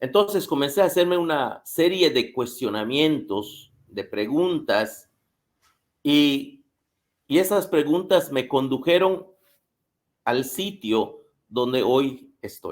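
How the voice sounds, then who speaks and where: Against a silent background on a very clean recording, a man with a fairly high pitch and a Yucatán accent speaks at a very slow pace with long, frequent pauses. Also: lively intonation. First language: Yucatec Maya (speaking Spanish). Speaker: Maya culture expert and land defender. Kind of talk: invited talk.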